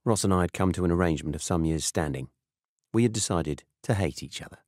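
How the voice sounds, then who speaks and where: A British man reading a first-person novel as an audiobook narrator, in a dry, measured manner. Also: sits low, darkish tone, dry recording.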